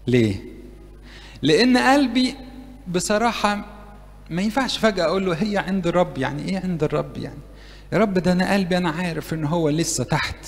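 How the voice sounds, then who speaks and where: Man, Egyptian Arabic accent, priest's sermon, raised pitch, long church reverb. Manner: lively, asks the audience questions and acts out prayers. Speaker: priest preaching to university youth. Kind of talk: interactive sermon. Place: church meeting hall.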